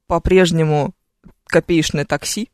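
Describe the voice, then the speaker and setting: A woman's voice: deep voice, fairly even intonation, a little slow, a little mellow, no echo. A woman co-hosting a radio morning show, telling travel stories in a chatty, ironic way into a studio microphone. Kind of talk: casual on-air chat.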